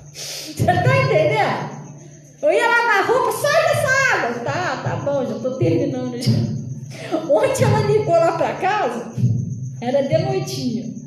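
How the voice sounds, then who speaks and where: A woman's voice: very high voice, echoey room, poor audio. A woman in her late thirties giving an informal, chatty sermon, often turning to address her listeners directly. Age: 30s. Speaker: preacher.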